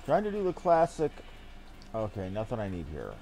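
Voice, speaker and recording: A man's voice: on the low side, wildly swooping pitch, normal speed, mellow, faint music behind, rough recording. A man giving casual live commentary while streaming a game, with a wry, mildly profane way of talking.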